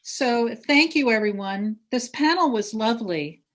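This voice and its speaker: A woman hosting and moderating an event, making informal announcements in a casual, halting way. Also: on the high side, lively intonation, a bit bright.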